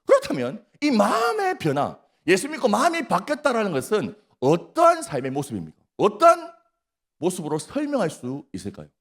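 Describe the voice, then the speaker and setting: A male pastor with a Gyeongsang accent preaching a sermon at a prayer meeting, often putting questions to the congregation and teasing them. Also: high-pitched. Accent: Gyeongsang Korean. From Gyeongsang region, Korea. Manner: questions the congregation, prompts replies, jokes. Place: church.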